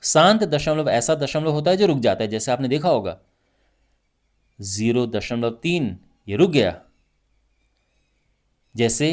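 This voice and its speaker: A male math teacher with a Hindi accent explains a lesson in an animated way. His voice sits at a middle pitch, but he swings up high to stress a point and drops low when he lists things. He keeps checking in and repeats himself so his students follow. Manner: lively, repetitive teaching with frequent check-ins.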